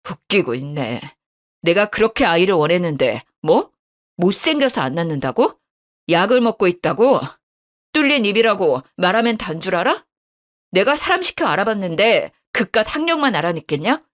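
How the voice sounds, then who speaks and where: A woman's voice: medium pitch, big pitch swings, moderate pace, lightly acted. A woman playing a cold, scolding young husband. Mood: accusing. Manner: harsh, accusing. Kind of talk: storytelling radio drama.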